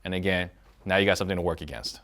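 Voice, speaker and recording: A man leading a recorded sales training course, explaining briskly and acting out sample phone dialogues. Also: low voice, fairly even intonation, a bit bright.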